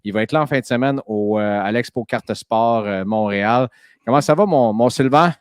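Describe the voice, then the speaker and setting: A man's voice: medium pitch, moderate pace, clear, resonant tone, dry recording, studio quality. A man hosting a podcast, chatty and enthusiastic with plenty of fillers. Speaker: host. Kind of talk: casual podcast chat.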